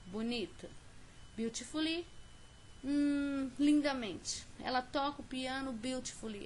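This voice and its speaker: A woman with a Brazilian Portuguese accent teaching an English lesson on video, slowly stressing each example word. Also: on the high side, slight background noise. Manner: slow, clear teaching pace with stressed example words.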